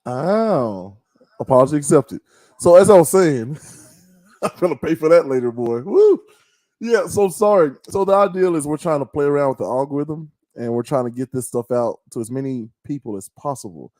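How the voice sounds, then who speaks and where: A man hosting a casual interview over a call, playful and quick to laugh. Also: on the high side, expressive, a little mellow, no echo. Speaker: podcast host.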